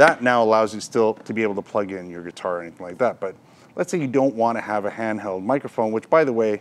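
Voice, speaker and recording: Speaking very fast, a man with a fairly low voice shows ordinary pitch variation and big swings in loudness. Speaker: product reviewer. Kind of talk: product review tutorial. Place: shop.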